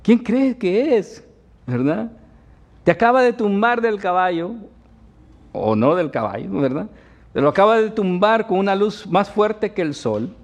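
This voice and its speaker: A man's voice: sits high, very animated, normal speed. Man preaching, fond of tag questions. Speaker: pastor. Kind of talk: sermon.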